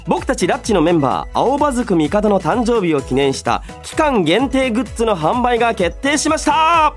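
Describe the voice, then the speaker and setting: Polite and chatty, a man who hosts a radio show and does voice acting drifts between casual talk and announcements, sprinkling in soft "ne" tags. His high voice has big pitch swings at a moderate pace, with soft background music.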